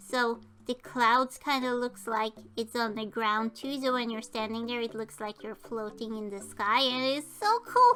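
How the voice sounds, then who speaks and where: A woman with a fairly high pitch speaks in a playful tone but with monotone, flat intonation. Her pace is fairly slow, and background noise is noticeable. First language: Norwegian. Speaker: YouTuber. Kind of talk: Q&A reading viewer questions. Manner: casual, playful.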